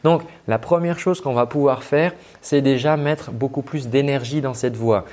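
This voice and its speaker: Speaking at a normal speed in a medium-pitched voice, a man teaches a vocal lesson as a coach. He hesitates often while showing the difference between flat and lively delivery.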